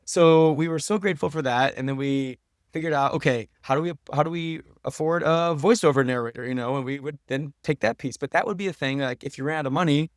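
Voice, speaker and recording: A man's voice: fairly high pitch, fairly quick, no echo, clean studio sound. A man talking casually and earnestly as a guest in an interview, often adding "you know" and "like". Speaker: podcast guest, professor and documentary maker. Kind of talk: casual conversational interview answers.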